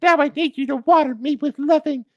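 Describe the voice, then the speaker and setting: An adoring, seductive storybook lady, put on by a man in falsetto. The voice leaps far up in pitch and oozes longing. It is recorded dry. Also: brisk, dry recording, lo-fi sound. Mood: lustful, adoring.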